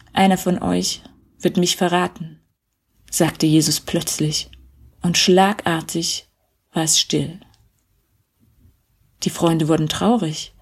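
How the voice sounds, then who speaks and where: A woman tells a children's Bible story in a calm, measured storybook style. She reads slowly and gently, pausing now and then to reflect. Her voice is soft and breathy. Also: mid-range voice.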